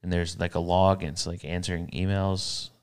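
A man's voice: deep voice, level tone, normal speed, smooth. A middle-aged man co-hosting a casual podcast, talking in a rambling, upbeat way and often restarting his sentences. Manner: rambling, self-correcting, upbeat. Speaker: podcast co-host. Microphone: studio podcast mic.

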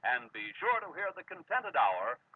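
A man's voice: medium pitch, huge pitch swings, moderate pace, husky. A man with an American accent reading scripted announcements as a 1940s radio announcer. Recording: muffled, narrow-band vintage radio recording.

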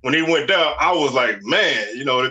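A man, a podcast guest talking sports in a relaxed, conversational way. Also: medium pitch, normal speed, dull audio. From Southern United States. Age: 40s. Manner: relaxed, conversational, lots of "you know" and "man". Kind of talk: casual sports talk.

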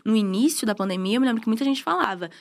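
This young woman from southern Brazil talks with no regional accent, her voice sitting a little on the high side. She chats loosely as a guest, circling back and restarting sentences as she tells a story in a podcast studio. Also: animated, very fast. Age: 20s. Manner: chatty, storytelling, trailing restarts. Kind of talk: casual interview chat.

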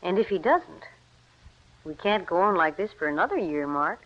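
A loving farm wife voices her worries with gentle skepticism. Her pitch moves around a lot. The sound is dull and lo-fi, like an old radio broadcast. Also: big pitch swings, moderate pace. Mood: concerned. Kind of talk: 1940s radio acting.

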